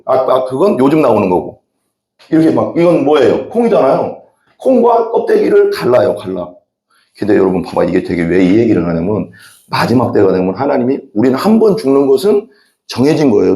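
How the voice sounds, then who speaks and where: In an echoey church hall, a middle-aged man delivers a sermon from the pulpit of the sanctuary, wandering through folksy stories. He speaks at medium pitch in a mellow voice.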